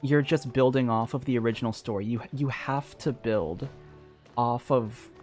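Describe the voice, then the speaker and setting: Streamer: man, mid-pitched, casual and excitable, thinking aloud, soft game music behind. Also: moderate pace. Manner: rambling, excitable. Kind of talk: casual live commentary. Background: faint game music.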